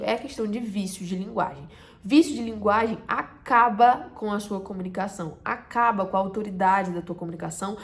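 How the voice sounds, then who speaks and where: Emphatic Carioca woman coaching on speech. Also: mid-range voice. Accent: Carioca Brazilian Portuguese. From Rio de Janeiro, Brazil. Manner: emphatic, drops to a soft voice to make a point, then rises again. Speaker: communication coach. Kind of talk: direct-to-camera teaching talk.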